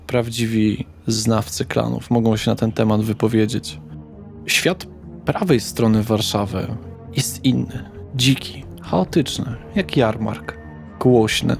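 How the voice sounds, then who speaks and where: A male game master tells a dark tabletop story. His voice is mid-pitched with noticeable creak, and his delivery is theatrical and deliberate. Faint music plays behind him. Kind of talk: tabletop horror roleplay narration, theatrical storytelling.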